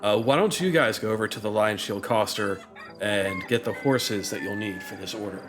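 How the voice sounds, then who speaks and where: A man's voice: on the low side, moderate pace, music in the background, lightly acted. A man voicing an easygoing male merchant in a tabletop game, matter-of-fact and mild. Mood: helpful.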